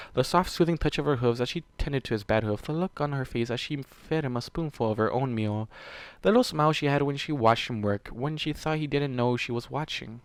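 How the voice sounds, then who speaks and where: A man's voice: medium pitch, clear, resonant tone, no echo. Emotive man reading fan fiction, close dry sound. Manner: emotionally invested, exasperated asides. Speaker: fan fiction reader and channel host. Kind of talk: dramatic story reading with casual profane reactions.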